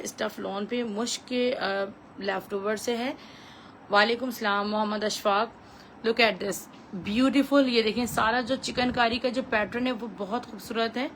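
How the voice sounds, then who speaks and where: A woman with a Pakistani accent giving a chatty, repetitive live sales pitch as a clothing seller, mixing in English phrases. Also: fairly even intonation, measured pace, a bit bright, a little hiss or hum, low-quality recording.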